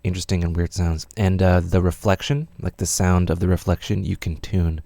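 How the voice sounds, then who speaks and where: Deep mellow guy doing a laid back music software tutorial, lots of uhs. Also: a little fast, gravelly. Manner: relaxed, rambling, many fillers. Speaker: music production instructor. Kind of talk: casual tutorial walkthrough.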